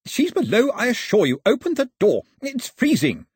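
An imperious gentleman in a seafaring storybook, played by a male narrator. He is formal, clipped and impatient, used to giving orders. His voice sits high and swings widely, with a husky edge. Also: sing-song, brisk, no echo, clean studio sound, full character voice. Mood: loud, exasperated.

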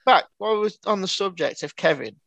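A man's voice: high-pitched, animated, a little fast, gravelly, a bit bright, dry recording, poor audio. A man co-hosting a podcast, rambling and swearing casually in casual banter. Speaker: podcast co-host.

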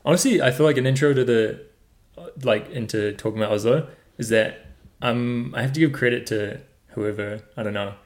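A man's voice: mid-range voice, fairly quick. A young man with a New Zealand accent, co-hosting a casual running podcast in an easygoing, joking way. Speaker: podcast co-host. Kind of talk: casual chat.

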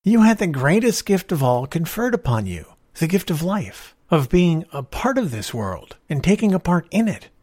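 A man voicing a mysterious little stranger in a story, wry and admonishing, speaking deliberately. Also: a little high, big pitch swings, a little mellow, pitched above the performer's own voice. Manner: slow, deliberate. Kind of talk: storybook character voice.

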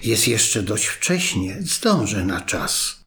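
A man voicing a sweet little girl in a red hood in a read fairy tale, high and wide-eyed. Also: sing-song, slow, fairly bright tone, exaggerated voice. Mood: innocent.

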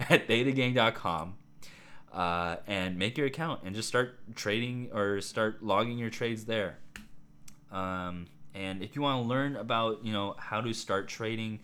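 Hoarse man rambling on a podcast. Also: on the low side. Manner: rambling, excitable, many fillers and asides. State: hoarse, raspy voice. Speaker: podcast host. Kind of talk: casual solo podcast talk.

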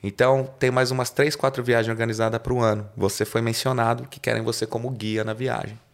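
A Brazilian car salesman guesting on a podcast tells stories in casual, slangy talk, acting out quoted dialogue. His mid-range voice is brisk and gravelly with a level tone.

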